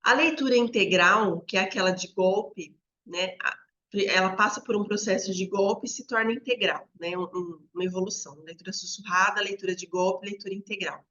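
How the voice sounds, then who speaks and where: A woman's voice: mid-range voice, normal speed, sharp tone. A woman explaining reading instruction step by step, often checking in with listeners. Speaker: literacy educator. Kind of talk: explanatory teaching talk. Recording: slightly dull lo-fi recording.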